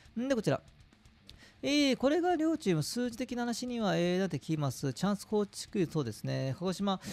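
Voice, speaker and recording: A man's high voice with very wide pitch swings at a moderate pace, dry and close with no echo, music in the background. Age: 30s. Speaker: football YouTuber. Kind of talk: solo match preview commentary. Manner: casual, many filler words.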